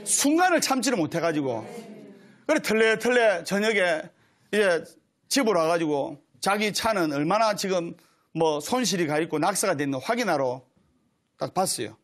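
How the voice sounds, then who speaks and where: A male Buddhist monk giving a dharma talk, telling stories and jokes to an audience. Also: high-pitched. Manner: storytelling with jokes.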